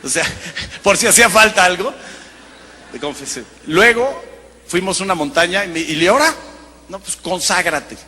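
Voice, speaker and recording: A Mexican man with a high, bright voice tells his story to a crowd in a self-mocking way. His words carry a long echo from a big hall. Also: lively intonation, normal speed, long pauses, a little hiss or hum. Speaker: broadcaster giving a personal testimony. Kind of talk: humorous testimony storytelling to an audience.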